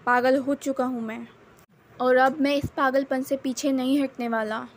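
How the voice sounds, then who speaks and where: Woman narrator doing a volatile young villain; high voice, light emphasis, storybook read-aloud. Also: fairly even intonation, moderate pace. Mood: obsessive.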